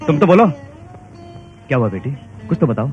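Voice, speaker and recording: A man voices an elderly father, worn down and pleading, speaking softly and earnestly to his daughter-in-law and son in a dubbed film. His voice sits at an ordinary middle pitch. The dub sounds a little dull, with a faint film score underneath. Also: very animated, fairly quick, faint music behind, close to an everyday voice. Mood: coaxing. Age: older.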